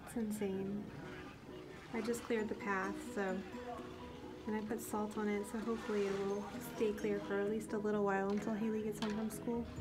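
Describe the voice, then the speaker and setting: A woman speaks fairly quickly while clear music runs in the background. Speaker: parent vlogger. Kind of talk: casual vlog chat. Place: garden. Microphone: phone near.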